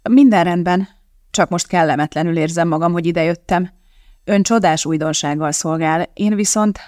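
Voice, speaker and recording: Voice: medium pitch, a little mellow, no room sound, natural voice. The reader voices a resolute woman chemist who hosts a TV cooking show, speaking firmly and declaiming to a studio audience. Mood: uneasy. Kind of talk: audiobook character voicing.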